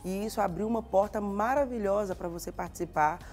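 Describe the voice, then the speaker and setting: A woman's voice: mid-range voice, a little fast, a little mellow, faint music behind. A woman host with a Mineiro accent, interviewing with affirming, sermon-like encouragement. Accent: Mineiro Brazilian Portuguese. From Minas Gerais, Brazil. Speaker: TV show host.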